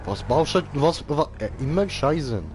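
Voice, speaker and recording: A man's voice: on the high side, lively intonation, normal speed, darkish tone, a little hiss or hum. A man giving casual live gaming commentary in clownish, slangy broken grammar, as a streamer. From Switzerland. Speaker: game streamer.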